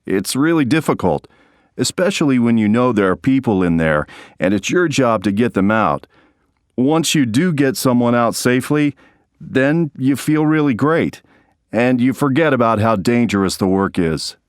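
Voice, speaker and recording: A man's voice: medium pitch, lively intonation, moderate pace, clean tone, no echo, studio quality, natural voice. A man playing an adult firefighter who talks plainly and earnestly in a scripted textbook listening.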